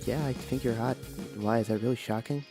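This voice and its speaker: A man's voice: mid-range voice, fairly quick, lightly acted. A man voicing a confident, sardonic young trans woman in a visual novel, with playful, breezy teasing. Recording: clear guitar music behind. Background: guitar music.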